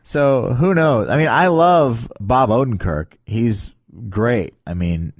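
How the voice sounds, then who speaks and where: A man hosting a podcast in casual, joking banter, talking in a meandering, halting way on a close mic. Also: mid-range voice, expressive, no room sound. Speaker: podcast host.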